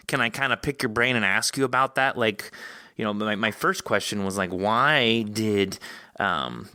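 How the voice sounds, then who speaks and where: A man hosting a podcast interview in a conversational way, thinking aloud with halting, rambling questions. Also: fairly low pitch, sharp tone, dry recording, studio quality. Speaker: podcast host interviewing an author.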